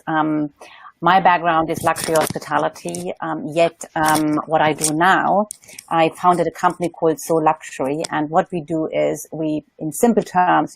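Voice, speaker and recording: Deep, gravelly German-accented woman. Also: a little hiss or hum, poor audio. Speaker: company founder, webinar panelist. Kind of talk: professional self-introduction.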